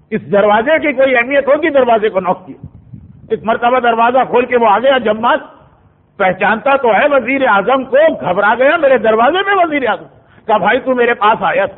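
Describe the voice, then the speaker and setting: A man delivering a sermon as a story, with asides to his audience. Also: very high-pitched. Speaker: preacher. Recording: tinny phone-like recording.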